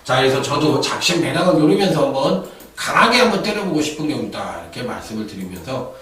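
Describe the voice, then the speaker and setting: A man giving horse racing tips in an animated, chatty commentary style with lively asides. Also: medium pitch, quick pace, distant mic. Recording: echoey room, off-mic.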